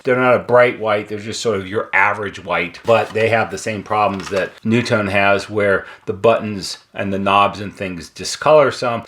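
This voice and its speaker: Male repair tech, fairly low voice, unscripted explainer, thinking aloud, slightly noisy recording. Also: a bit bright. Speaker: intercom repair technician presenting equipment. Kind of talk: casual unscripted hands-on product walkthrough.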